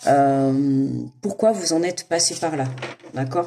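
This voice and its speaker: A woman's voice with a dark, mellow tone. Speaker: card reader. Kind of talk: astrology card reading commentary. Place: home room.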